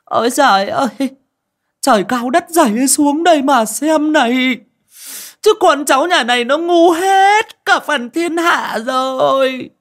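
Woman voicing a shrill scolding old aunt. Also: big pitch swings, a little slow, long pauses, slightly rough, heavily acted. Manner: shrill, berating, superstitious scolding. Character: harsh scolding older woman, clan head's wife.

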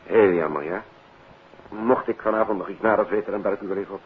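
An actor playing a sober, formal police official in a 1950s radio drama. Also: male voice, on the low side, quick pace, narrow, tinny audio, natural voice. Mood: regretful, courteous. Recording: band-limited, noisy 1950s radio recording.

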